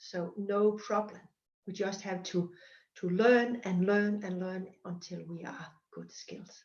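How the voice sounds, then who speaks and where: A somewhat breathy woman's voice of medium pitch, in a non-native accent, very slow and monotone. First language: Danish. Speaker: motivational speaker. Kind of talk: motivational talk. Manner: halting.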